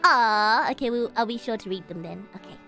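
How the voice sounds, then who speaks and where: Ask. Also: female voice, a little high, a little fast, pushed and bright, faint music behind. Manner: giggly, chatty, checks her audio settings aloud. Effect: heavily compressed mic with added reverb. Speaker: streamer. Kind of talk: casual live-stream chat.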